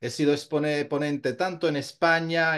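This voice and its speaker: An Italian accent over a quiet background. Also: man. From Italy. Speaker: business coach. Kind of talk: webinar presentation. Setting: video call. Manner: animated. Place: home room. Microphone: webcam.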